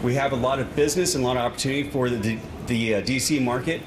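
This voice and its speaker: A man's voice: medium pitch, fast talker. A man speaking as an airport official at a press conference, explaining things in plain words. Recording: noisy event with background ambience.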